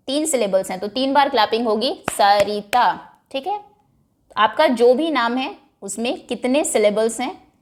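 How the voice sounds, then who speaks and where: A woman teaching a children's textbook lesson, giving each English line again in Hindi and reading the sentences slowly and deliberately. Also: on the high side.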